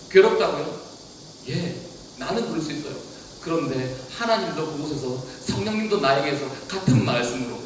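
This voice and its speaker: A man's voice: on the high side, fairly bright tone, a little hiss or hum. A man preaching as a pastor, asking the congregation question after question. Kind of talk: sermon. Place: church hall. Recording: echoey hall, voice from far off.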